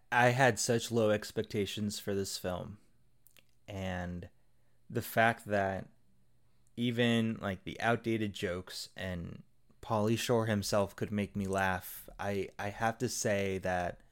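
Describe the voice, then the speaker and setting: A guest on a film podcast, this man has a fairly low, smooth voice and speaks slowly. He tells a joke in a meandering, casual way, laughing at himself as he goes.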